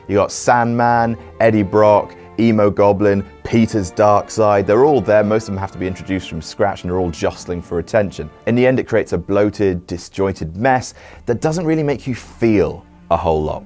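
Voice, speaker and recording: A young man giving scripted film commentary, excitable and sarcastic, swearing casually. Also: on the low side.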